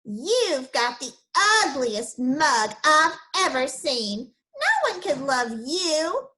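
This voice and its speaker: A woman's voice: high voice, big pitch swings, takes it slowly, bright, forceful tone, exaggerated voice. A woman voicing a mean male house cat who taunts and insults, in a storybook read-aloud. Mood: taunting.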